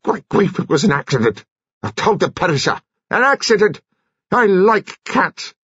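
A man's voice: deep voice, sing-song, quick pace, fairly bright tone, slightly rough, no echo, lo-fi sound, full character voice. A man voicing a bluff but awkward ex-navy commander in a storybook, speaking in clipped, apologetic, stammering phrases. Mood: distressed protest.

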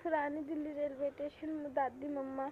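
A tearful, frightened woman giving confused, halting answers. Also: high voice, little pitch movement, phone-quality sound.

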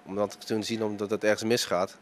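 Fairly low in pitch, flat and fast, the voice belongs to a restaurant owner in his thirties giving a news interview. Holding back with many fillers, he speaks into a handheld reporter mic in his dining room, and slight background noise can be heard.

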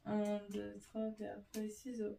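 A woman's voice: medium pitch, monotone, measured pace, gravelly, dark tone. A young woman vlogger chatting casually at home with her sisters, teasing and blunt. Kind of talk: casual family chat. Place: bedroom at home.

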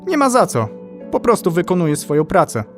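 A dutiful soldier in a horror audio drama, steady and reassuring, with a fairly high voice that moves a lot in pitch, as a man plays him. Quiet music runs faintly underneath. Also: fairly quick, exaggerated voice. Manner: matter-of-fact and reassuring. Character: calm, dutiful adult male soldier.

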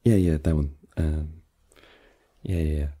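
A man playing a husky teasing boyfriend. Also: rumbling low, fairly even intonation, unhurried, mellow, voice pushed down, full character voice. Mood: relaxed. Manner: hesitant, filler-heavy, teasing. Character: easygoing young adult boyfriend hosting friends. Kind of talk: ASMR roleplay.

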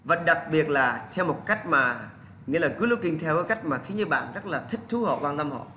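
A man's voice: on the high side, animated, brisk, pushed and bright, a little hiss or hum. A man with a Vietnamese accent teaching English vocabulary, drilling pronunciation and switching between English and Vietnamese. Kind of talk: bilingual vocabulary lesson.

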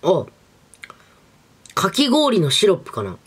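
Young woman chatting, very lively pitch. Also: measured pace, slightly rough. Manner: chatty, animated, informal. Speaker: vlogger. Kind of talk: casual chat to camera, product review. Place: small furnished room indoors. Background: background music.

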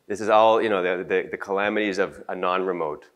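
A middle-aged man from Canada giving a casual conference talk into a handheld mic, chatty and self-deprecating, with a groggy morning voice and throat clearing. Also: deep voice, steady tone, fairly quick, fairly bright tone. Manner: chatty, self-deprecating, many fillers and restarts. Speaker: conference speaker. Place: conference room.

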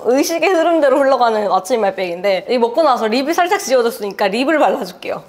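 A woman, chatting casually and expressively to camera as a beauty and fashion vlogger. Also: a little high. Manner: chatty, expressive, uses cute sound words. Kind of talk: casual chat to camera, showing bag contents. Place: indoors, living room at home.

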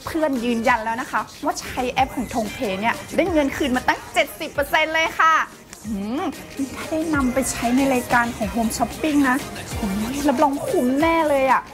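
A woman in an ad excitedly chatting about cashback. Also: high-pitched, moderate pace, over music. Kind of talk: scripted ad testimonial.

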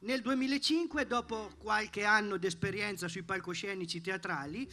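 A man's voice: sits high, steady tone, normal speed, pushed and bright. A man, presenting live from a festival stage. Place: outdoor festival stage at night. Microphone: microphone on a stand.

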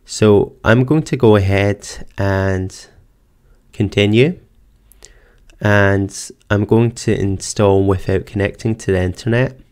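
A man narrating a screen-recorded computer tutorial, calmly explaining each step in order. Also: low-pitched. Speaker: tech tutorial presenter. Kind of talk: screen-recorded software walkthrough. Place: voice-over for screen capture.

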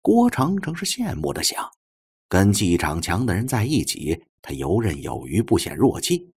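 Guy reading an audiobook, really low husky voice, super lively up and down storytelling. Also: moderate pace. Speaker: audiobook narrator. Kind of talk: scripted storytelling narration.

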